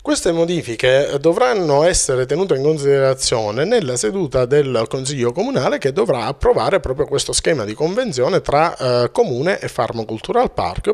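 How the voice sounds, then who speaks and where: A middle-aged man with a Sicilian Italian accent speaking formally into a handheld mic in a local TV interview, pausing often with "eh" fillers. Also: mid-range voice, darkish tone. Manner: formal, hesitant, many "eh" fillers. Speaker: consumer association representative. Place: indoors, plain room. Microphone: handheld interview mic held close.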